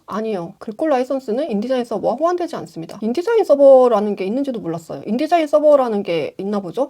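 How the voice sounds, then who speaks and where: Quick-talking woman with a mellow voice. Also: fairly high pitch. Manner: reads a passage, then restates it in casual speech. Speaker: designer explaining font licensing. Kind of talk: explanatory tutorial, reading out and paraphrasing.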